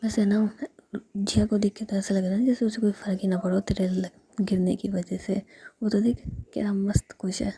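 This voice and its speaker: Teasing young woman friend, soft husky whisper; the female reader doing her. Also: mid-range voice, flat delivery, normal speed.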